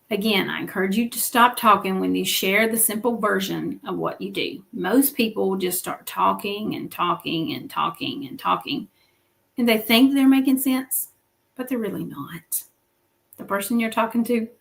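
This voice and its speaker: A woman's voice: mid-range voice, moderate pace, vocal fry, a bit bright. A woman hosting a weekly business livestream, coaching viewers in an encouraging teaching style and often checking in with "okay?" and "right?".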